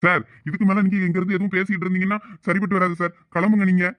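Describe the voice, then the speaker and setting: A loyal friend pleads urgently and worries about his troubled companion, as a man acts him out. He talks fast in a slightly high voice. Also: flat delivery, fairly bright tone, no echo. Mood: worried.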